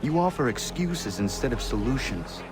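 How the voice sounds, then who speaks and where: An actor playing a stern, idealistic young Native American warrior who speaks bluntly and earnestly in formal sentences. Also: male voice, mid-range voice, very animated, normal speed, natural voice. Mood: reproachful. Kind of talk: dramatic game acting. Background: music.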